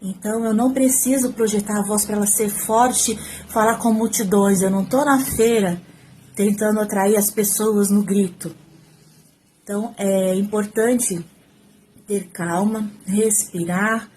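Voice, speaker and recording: A woman's voice: mid-range voice, a little slow, a little hiss or hum. Chatty Brazilian woman teaching camera skills. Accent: Brazilian Portuguese. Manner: talkative, animated, gestures while speaking. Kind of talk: casual tutorial to camera. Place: at home, indoors. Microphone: phone, front camera.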